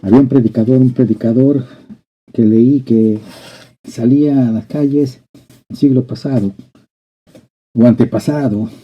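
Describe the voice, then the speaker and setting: A man's voice: medium pitch, steady tone, a little slow, long pauses, breathy edge. A male pastor preaching a fervent sermon, often repeating and restarting phrases and calling out to the congregation. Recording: dull lo-fi sermon recording.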